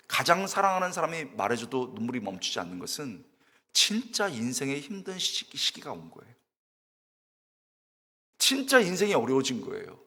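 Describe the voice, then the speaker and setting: A middle-aged man with a medium-pitched voice preaches to a congregation in a church sanctuary, where a long reverb tail follows his words. He is a pastor appearing as a guest preacher, telling stories and putting questions straight to the listeners. While acting out his own tearful prayer, he shouts and wails.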